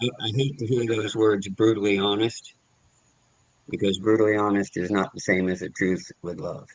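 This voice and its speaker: Here a man uses an ordinary speaking voice, fairly low in pitch, at a moderate pace with fairly even intonation. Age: 60s. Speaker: support group member. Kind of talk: group discussion testimony.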